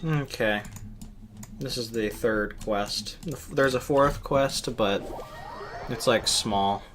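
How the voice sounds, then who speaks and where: A man's voice: medium pitch, takes it slowly, a bit bright, slight background noise. A man giving casual live commentary as a game streamer. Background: game music, keyboard clicks.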